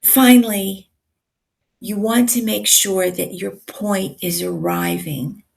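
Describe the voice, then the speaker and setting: Slow, gravelly-voiced woman coach. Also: medium pitch, fairly even intonation. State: raspy from yelling at a concert. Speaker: communication coach. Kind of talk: teaching to camera.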